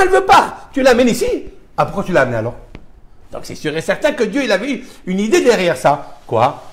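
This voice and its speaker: A male rabbi gives a live lesson in a fairly high voice that swoops up and down with great energy. He drives his points home with emphatic rhetorical questions and mixes Hebrew terms into his teaching. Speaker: rabbi teaching a Torah class. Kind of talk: live religious lesson to students.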